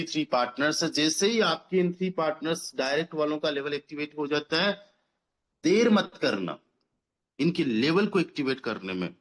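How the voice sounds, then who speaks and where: A man in his thirties talks as a team leader pitching a business, his voice sitting a little higher than most men's. He is persuasive and keeps repeating phrases to drive a point home, sprinkling English words through his talk. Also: a bit bright. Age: 30s. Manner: mixes English words into Hindi. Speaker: network marketing team leader.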